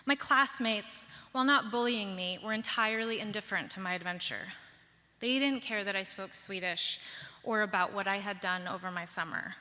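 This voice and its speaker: A young woman from the Pacific Northwest telling a personal story on stage, measured and reflective, with lilting pauses. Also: medium pitch, bright, forceful tone. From Pacific Northwest, USA. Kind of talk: personal story told live. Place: large hall, live stage. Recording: long hall reverb.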